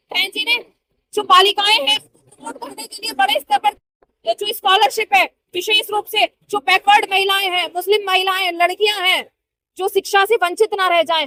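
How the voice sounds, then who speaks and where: A woman's voice: very high voice, normal speed, pushed and bright, rough recording. A woman in her thirties, a party worker answering interview questions in an earnest, persuasive way. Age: 30s.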